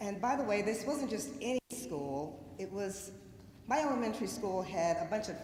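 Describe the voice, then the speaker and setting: A woman with an American accent and medium pitch makes very wide pitch swings, with audible room echo and noticeable background noise. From Los Angeles, California. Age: 60s. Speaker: radiologist, guest speaker. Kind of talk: speech. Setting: stage with audience.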